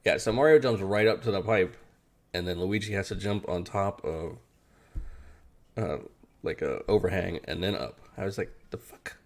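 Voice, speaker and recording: This adult man hosts a podcast, talking loosely about cartoons and games and swearing casually along the way. His voice is deep and a bit mellow, at an ordinary pace.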